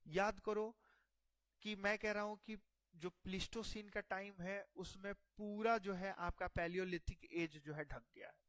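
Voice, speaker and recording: A man's voice: high voice, fairly bright tone, no echo. A man teaching a history exam-prep lecture, explaining step by step and asking himself rhetorical questions.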